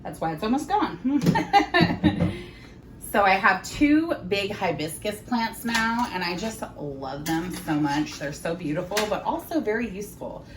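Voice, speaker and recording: A woman in her thirties chatting casually in her home kitchen as she tastes her food, often pausing to savor it with soft hums. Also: medium pitch, lively intonation, background noise. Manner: chatty, savoring bites with frequent mm sounds. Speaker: home cooking vlogger. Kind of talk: casual chat while tasting food.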